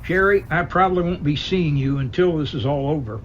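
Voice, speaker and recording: A man's voice: fairly high pitch, fairly quick, lo-fi sound, background noise, lightly acted. A man playing a breezy, self-deprecating daredevil pilot in an amateur radio drama.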